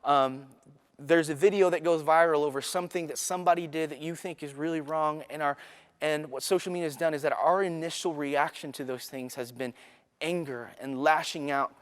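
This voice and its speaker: A man's voice: on the high side, steady tone, brisk. A young man preaching a student sermon in a conversational way, often checking in with the audience by asking "right?". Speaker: youth pastor.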